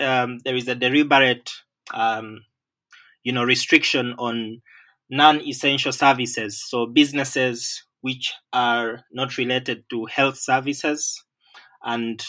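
Brief: Ugandan man, unhurried and measured, bright forward voice, lots of filler pauses. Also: medium pitch. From Western Uganda. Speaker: land management professional. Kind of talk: remote interview conversation.

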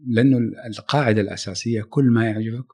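A middle-aged man from Arabia, a musician guest talking in a casual interview, reflective and halting, often restarting his phrases. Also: mid-range voice, darkish tone. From Saudi Arabia.

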